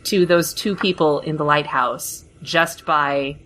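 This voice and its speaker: Female panelist, very low pitch with a crisp bright edge, halting delivery, slight background noise. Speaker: podcast panelist. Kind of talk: casual discussion. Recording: slightly noisy hobby podcast.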